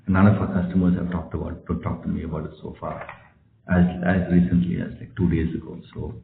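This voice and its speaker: A man's voice: low voice, flat delivery, fast talker, gravelly. A man answering questions as a company executive on an earnings call, blunt and emphatic, often repeating phrases. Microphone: conference call phone. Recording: roomy, noisy, muffled conference phone line.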